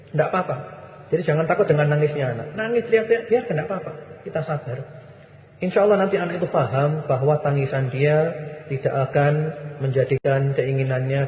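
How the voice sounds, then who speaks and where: A male Islamic preacher answering listeners' questions in a firm, exhorting, repetitive manner. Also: a little high. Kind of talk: sermon Q&A. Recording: echoey hall, muffled lo-fi recording.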